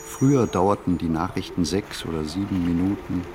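An actor playing a reflective, solitary man who narrates his mundane daily routine in a deadpan radio play monologue. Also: deep voice, normal speed, over music, natural voice. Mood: wry, musing.

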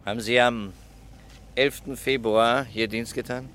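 A man's voice: mid-range voice, fairly even intonation, measured pace, a bit bright, close to an everyday voice. An actor playing a persistent police detective in a German radio crime play, formal and methodical in his questioning. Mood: patient.

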